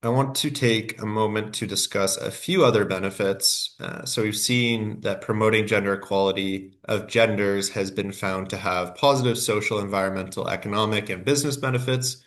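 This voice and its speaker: A man with a cold presents a webinar workshop from prepared slides. His voice sits on the low side and sounds nasal, and he hesitates often, correcting himself mid-sentence as he goes. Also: fairly even intonation, fairly bright tone. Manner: halting, with frequent fillers and self-corrections.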